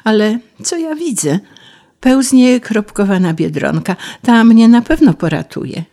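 A woman's voice: a little high, lively intonation, measured pace, dark tone, voice pushed up. A woman voicing a weak, starving male grasshopper who begs for help in a plaintive way. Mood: pleading.

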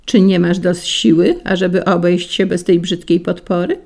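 A woman's voice: fairly low pitch, little pitch movement, moderate pace, gravelly, darkish tone. A woman voicing a spiteful, boastful male wind. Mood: mocking. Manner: sly and taunting, rising to bluster.

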